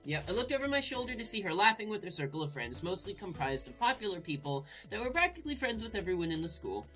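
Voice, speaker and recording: A woman let's play host with a bright, very animated voice over faint game music. She slides between reading aloud and irreverent, crude commentary. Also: medium pitch, quick pace. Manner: irreverent, crude, jokey asides.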